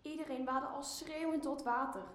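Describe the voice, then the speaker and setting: Young woman as high, echoey, willing spirit servant. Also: fairly even intonation, moderate pace, a bit bright. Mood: willing, curious. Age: young adult. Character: obedient airy spirit servant, willing and inquisitive. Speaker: drama student actor. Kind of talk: Dutch radio play, Shakespeare adaptation. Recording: echoey room with faint noise.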